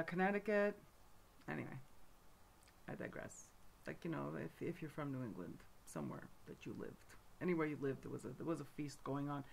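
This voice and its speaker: A middle-aged woman from Montreal talks straight to camera in a relaxed, meandering way, full of "um"s and side remarks. Her voice sits a little low for a woman. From Montreal, Canada. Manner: rambling, with many fillers and asides. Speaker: folk magic teacher. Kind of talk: casual talk to camera.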